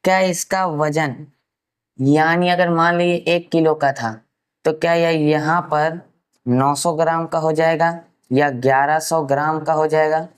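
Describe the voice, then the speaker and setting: A man from Uttar Pradesh giving a science lesson, asking rhetorical questions and answering them himself, and slowly repeating key terms for note-taking. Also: a little high, steady tone, smooth. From Uttar Pradesh, India. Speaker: science teacher. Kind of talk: classroom science lecture.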